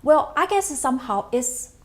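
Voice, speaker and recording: A middle-aged woman from Taiwan, an English speaker who talks in halting sentences with many restarts as an interview guest. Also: high voice, sing-song. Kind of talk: interview conversation.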